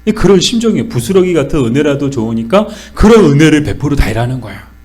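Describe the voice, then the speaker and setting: A man's voice: on the high side, sing-song, fast talker, a little mellow. A middle-aged man teaching a church Bible study, explaining with questions and answers and acting out the lines he quotes.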